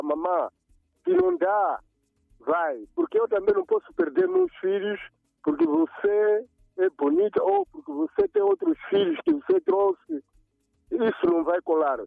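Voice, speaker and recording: A man's voice: very high-pitched, gravelly, no echo. Emphatic male caller on phone line. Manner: emphatic, repetitive, preachy. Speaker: radio caller. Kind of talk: phone-in call.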